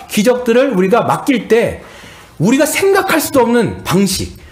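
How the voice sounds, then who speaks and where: A middle-aged male pastor preaching a sermon, earnestly and often turning to address the congregation. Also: extremely high pitch.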